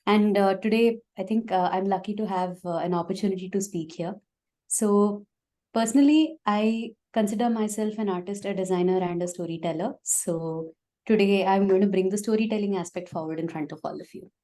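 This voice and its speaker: A woman with a mellow, warm voice introduces herself over a video call. She pauses often and fills gaps with small hesitations. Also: mid-range voice. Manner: hesitant, many fillers. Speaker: guest. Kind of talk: self-introduction.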